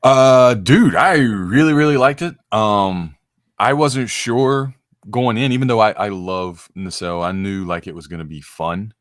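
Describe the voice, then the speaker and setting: A man with a fairly low voice co-hosts a casual review chat. He sounds eager and excited, stumbling over his words and repeating himself. The sound is dry and close, with little room around it. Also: measured pace, dry recording. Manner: eager, stammering, with many fillers. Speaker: podcast co-host.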